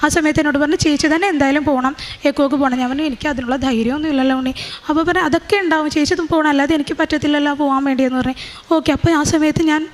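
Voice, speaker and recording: A young woman giving a religious testimony, halting, with many fillers and restarts. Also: high-pitched, steady tone. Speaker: testimony speaker. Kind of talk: religious testimony, personal account.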